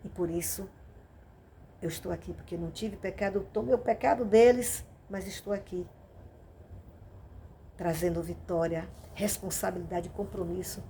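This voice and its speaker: A woman's voice: fairly low pitch, steady tone, normal speed, long pauses, warm tone, slight background noise. A woman pastor with a Brazilian Portuguese accent, preaching a sermon with emphatic, repeated questions.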